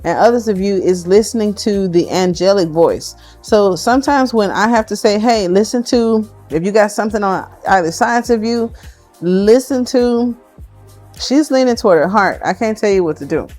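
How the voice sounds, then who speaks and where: A woman doing a casual tarot card reading for her viewers, chatty and excitable as she thinks aloud. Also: medium pitch, brisk, few pauses, soft background music.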